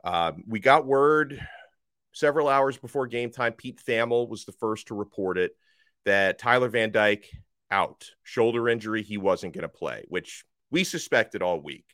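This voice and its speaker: A man hosting a college football podcast, slightly hoarse, talking with emphatic energy that rises toward near shouts. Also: lowish voice, animated, moderate pace, dry recording, clean studio sound. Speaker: sports podcast host. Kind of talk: college football talk with ad read. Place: radio studio.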